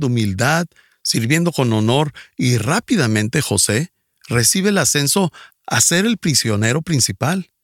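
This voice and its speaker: Male preacher, mid-pitched, lively and emphatic delivery, dry studio read. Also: no echo. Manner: emphatic, voice rising on exclamations. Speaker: pastor. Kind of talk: sermon.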